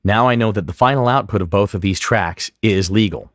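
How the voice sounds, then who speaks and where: A man giving step-by-step instructional narration as a software tutorial instructor, explaining clearly what he does on screen. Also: lowish voice, brisk, dry recording, clean studio sound.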